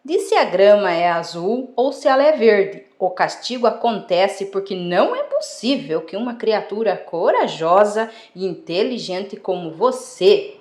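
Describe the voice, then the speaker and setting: A woman voicing the lion king of the jungle, judging and declaring with calm authority. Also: mid-range voice, a little slow, reverberant. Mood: authoritative.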